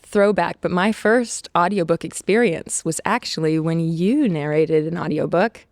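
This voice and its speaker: A woman's voice: lowish voice, measured pace, darkish tone, dry recording, clean studio sound. A young woman narrator and songwriter chatting as a podcast guest, laughing often and playfully trying out accents. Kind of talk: casual interview chat.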